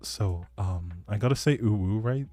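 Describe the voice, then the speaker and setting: Low-voiced man, playful rambling streamer. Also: moderate pace, mellow, dry recording, soft background music. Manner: playful, self-deprecating, rambling. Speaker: streamer, host. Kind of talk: casual livestream chat, showing a game build.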